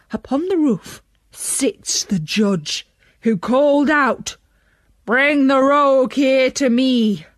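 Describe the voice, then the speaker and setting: A woman's voice: fairly high pitch, dry recording, clean studio sound, voice pushed up. A woman voicing a frightened male robber in a storybook, exclaiming in agitation. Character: frightened male robber breathlessly reporting horrors to captain. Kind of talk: storybook character voice.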